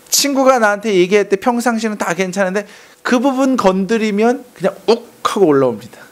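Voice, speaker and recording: A man preaching a sermon in a high, light voice. He is animated and lively, asks the congregation to repeat his words, and acts out the angry outbursts he warns against. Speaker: pastor.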